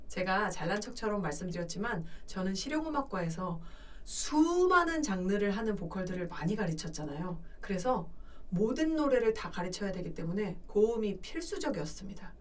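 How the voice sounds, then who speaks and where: A woman's voice: medium pitch, recorded from a distance. A middle-aged woman vocal coach giving a lesson, explaining step by step and sometimes breaking into sung demonstrations.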